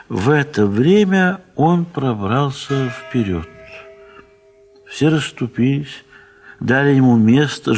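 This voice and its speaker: A man narrating a literary audio drama in measured, dramatic phrases with long pauses. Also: mid-range voice.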